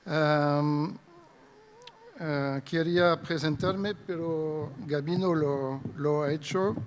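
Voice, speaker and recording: A man's voice: fairly high pitch, steady tone, very slow. A middle-aged man with a French accent, speaking Spanish as a second language and giving a careful, hesitant conference talk. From France. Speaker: invited speaker, wheat breeder. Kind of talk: conference presentation. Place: conference hall. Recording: long reverb of a large hall.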